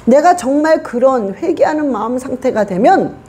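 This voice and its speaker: High, animated woman preaching a sermon. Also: normal speed. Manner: emphatic preaching with rhetorical questions. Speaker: pastor. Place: church.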